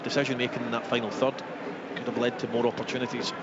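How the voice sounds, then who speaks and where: A man's voice: medium pitch, flat delivery, fast talker. A man giving unscripted football match analysis as a radio co-commentator. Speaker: football co-commentator, former player. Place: outdoor football stadium. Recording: dull radio sound, loud background noise. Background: loud stadium noise.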